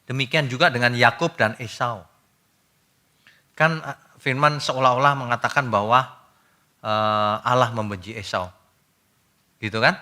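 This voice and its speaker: A man preaching a sermon as a pastor, talking casually and addressing the congregation directly, with loud emphatic bursts that drop to quiet asides. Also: mid-range voice, fairly even intonation, unhurried, pauses often.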